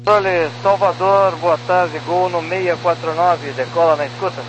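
A man's voice: high voice, steady tone, normal speed, dull audio. Brazilian male pilot on crackly aircraft radio. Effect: crackly aircraft radio transmission. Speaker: airline and light aircraft pilot. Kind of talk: aviation radio readback. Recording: very noisy crackly VHF radio, humming.

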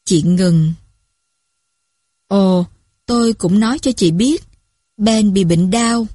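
A woman narrating a story in a measured, even reading voice. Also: mid-range voice, no room sound, clean studio sound.

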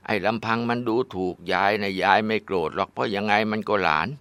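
A man voicing a gentle, worried grandmother who speaks slowly and softly. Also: lowish voice, fairly even intonation, vocal fry, clear, resonant tone, no room sound. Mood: worried warning. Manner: slow, soft-spoken. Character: frail old grandmother, gentle and warning.

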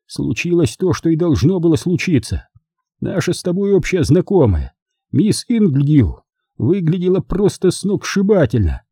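A man's voice: on the low side, huge pitch swings, moderate pace, few pauses, warm tone, slightly rough, no room sound, clean studio sound, heavily acted. A man voicing a theatrical, despairing middle-aged uncle who wails and exclaims in an audiobook. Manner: melodramatic, wailing and exclaiming. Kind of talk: audiobook character reading.

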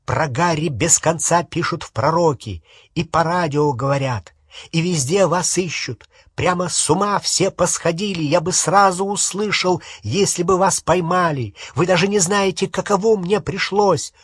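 A man's voice: a little high, normal speed, husky, dry recording, studio quality, pitched above the performer's own voice. A man reading an audiobook, voicing a guilty teenage boy wizard who pleads and argues back. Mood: defensive pleading. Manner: pleading, then shouting back.

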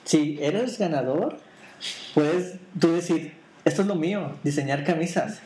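A man's voice: on the high side, unhurried, a little mellow, poor audio. Teasing man hosting a podcast. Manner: teasing, playful, restarts a lot. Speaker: podcast host. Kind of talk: casual joking chat.

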